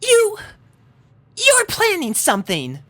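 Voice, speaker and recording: Man putting on a pompous, high-voiced bully filly. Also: wildly swooping pitch, slow, sharp tone, heavily acted. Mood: accusing. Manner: haughty, demanding. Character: pompous, suspicious young girl pony bully.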